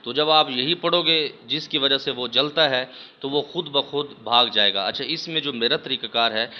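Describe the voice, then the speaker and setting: A man's voice: mid-range voice, muffled recording. Earnest man giving spiritual instruction. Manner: earnest, addresses listeners repeatedly as respected audience. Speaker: spiritual healer and teacher. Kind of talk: instructional religious talk to viewers.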